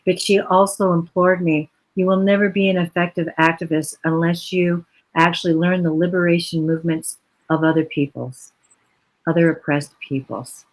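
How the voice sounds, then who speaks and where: A woman's voice: lowish voice, fairly even intonation, normal speed, rough recording. A woman from the United States speaking on a virtual panel over a video call, earnest and reflective, with long flowing explanations.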